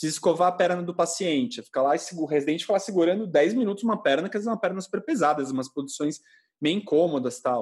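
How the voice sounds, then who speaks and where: This man talks very fast in a high voice with lively intonation. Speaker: orthopedic surgeon, podcast host. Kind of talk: casual chat. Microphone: new podcaster microphone.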